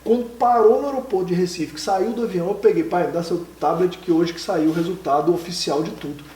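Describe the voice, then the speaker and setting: A high-pitched man tells a lively, emotional personal story as an interview guest, full of fillers and restarts. He sits some way from the microphone in an echoey room with a faint hiss. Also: fast talker. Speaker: interview guest, exam candidate. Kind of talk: casual storytelling. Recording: echoey room, mic from a distance.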